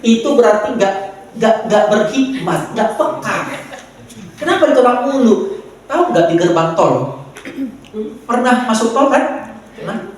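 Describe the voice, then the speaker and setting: Jokey medan-accent preacher guy, big boomy hall echo, some faint noise behind. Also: lively intonation, a little slow, pauses often. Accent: Medan Indonesian. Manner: joking, playful preaching with audience asides. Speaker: pastor. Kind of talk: sermon. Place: large church hall. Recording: very echoey hall, mic far off.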